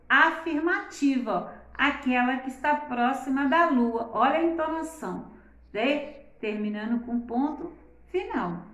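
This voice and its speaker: Speaking in a high-pitched, slightly bright voice, a woman teaches a class at a slow, deliberate pace. She exaggerates the intonation in her examples and frequently adds "né?". The room is echoey.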